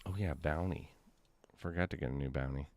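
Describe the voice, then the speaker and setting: A man with a deep voice chatting casually while streaming a game, rambling with many fillers. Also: brisk, darkish tone, a little hiss or hum. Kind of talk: casual gaming chat.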